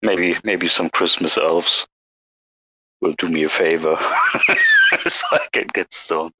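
A man voicing a sleepy, sardonic stoner character in a slow drone. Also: low voice, huge pitch swings, heavy background noise, pitched below the performer's own voice, heavily acted. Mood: droning.

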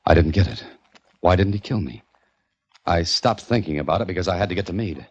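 Actor as a deep, dry-witted 1940s detective narrating, lo-fi radio sound. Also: male voice, fairly quick, slight background noise, close to an everyday voice. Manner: dry, wry, hard-boiled narration. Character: wisecracking male detective narrator. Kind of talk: 1940s radio drama acting. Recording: dull lo-fi old radio with faint music.

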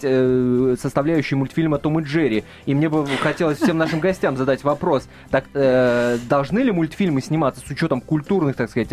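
A man's voice: on the high side, a little mellow. A man hosting a radio talk show, taking calls and questioning his studio guests, with frequent hesitations and fillers.

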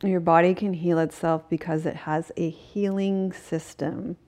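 A woman yoga teacher with a soft-edged, relaxed tone on the lower side. She guides gently and very slowly, leaving space between phrases in a soothing way. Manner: gentle, soothing, unhurried delivery with pauses. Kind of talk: guided restorative yoga class with poem reading.

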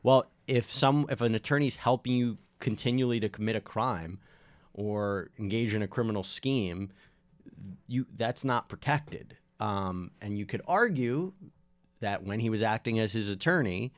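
A man's voice: lowish voice, normal speed, no room sound. A man co-hosting a podcast, explaining legal news in a casual, joking conversational way. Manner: explains legal points conversationally, jokes along. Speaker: podcast co-host.

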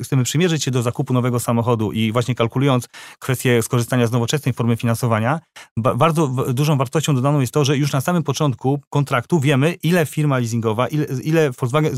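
A man's voice: medium pitch, no room sound, studio quality. A man who represents a financing company in a discussion, agrees readily and explains the options. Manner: agreeable and explanatory, often confirms. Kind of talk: conversational discussion.

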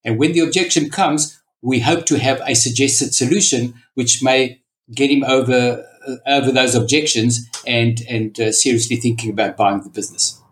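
A man's voice: mid-range voice, fairly even intonation, moderate pace, fairly bright tone. A man in his sixties with a South African accent, a guest business broker who explains steadily and often restarts his sentences. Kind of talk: interview conversation.

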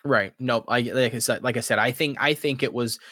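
A man's voice: medium pitch, brisk, bright, forceful tone, slightly rough, dry recording, studio quality. A man co-hosting a live-streamed talk show, talking loosely and profanely with lots of "you know what I mean.". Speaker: podcast co-host. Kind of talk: casual live-stream chat.

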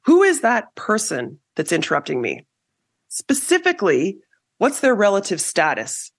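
A woman's voice: mid-range voice, normal speed. A woman hosting a podcast, giving scripted advice on communication in an emphatic, coaching way. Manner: lively, emphatic coaching delivery. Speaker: podcast host.

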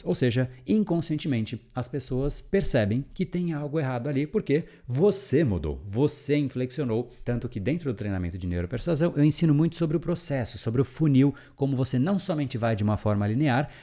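A middle-aged man hosts a solo podcast, coaching on communication with an animated, explanatory delivery, asking rhetorical questions and acting out imagined listeners. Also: medium pitch.

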